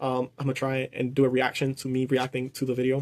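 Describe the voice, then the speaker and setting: Very fast male speech, fairly high in pitch, in a Spanish accent. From Dominican Republic. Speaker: vlogger. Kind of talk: casual Spanish exchange with family; casual vlog monologue while drawing.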